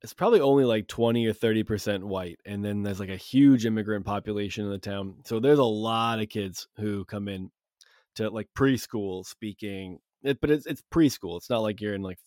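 A man's voice: fairly low pitch, moderate pace, darkish tone, no echo, clean studio sound. A young man hosting a podcast, talking in rambling casual chat with many fillers. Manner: rambling, heavy on fillers and restarts. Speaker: podcast host.

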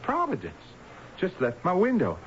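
An actor playing a friendly, courteous bus ticket clerk with a folksy manner in an old-time radio drama. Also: male voice, high voice, wildly swooping pitch, normal speed. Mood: friendly, curious. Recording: dull, noisy old radio broadcast.

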